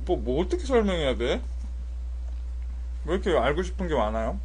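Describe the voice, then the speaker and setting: A man's voice: fairly high pitch, very animated, a little fast, a little mellow, slight background noise. A man in his thirties with his mouth full of rice, streaming a food broadcast and teasing his chat with sarcastic answers. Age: 30s. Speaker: mukbang streamer. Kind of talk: casual live-stream chat while eating.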